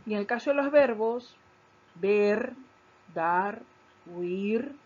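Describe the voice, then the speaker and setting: Woman, teacher, husky voice, explanatory lesson, repeats key points, muffled lo-fi audio. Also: medium pitch, expressive, takes it slowly, a little mellow. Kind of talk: recorded grammar lesson. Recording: dull lo-fi recording.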